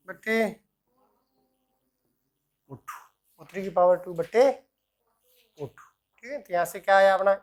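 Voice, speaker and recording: A male chemistry teacher working through examples, asking himself questions and answering them, and dictating formulas slowly piece by piece. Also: sits high, fairly bright tone. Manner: answers own questions, repeats "ठीक है" often. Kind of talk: explaining worked examples at a board.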